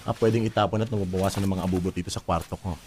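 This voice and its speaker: A man's voice: sits low, steady tone, very fast, darkish tone, a little hiss or hum, close to an everyday voice. A male actor playing a sassy, effeminate gay older sibling in a Filipino radio drama, scolding and exclaiming. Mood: scolding, evasive.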